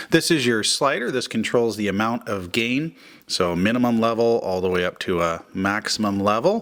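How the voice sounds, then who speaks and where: With an American accent, a man talks in a plain, everyday voice. His medium pitch has ordinary variation, and his pace is moderate. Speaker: CB radio product reviewer. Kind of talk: product review. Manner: casual, with filler words.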